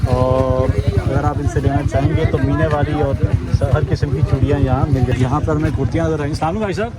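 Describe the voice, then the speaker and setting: A man's voice: a little high, fairly even intonation, brisk. A man with a Karachi Urdu accent chatting with vendors as a market vlogger, asking keen questions and repeating prices for viewers. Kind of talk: chatty street interview with commentary to viewers. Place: outdoor street bazaar. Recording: very noisy outdoor market, traffic din.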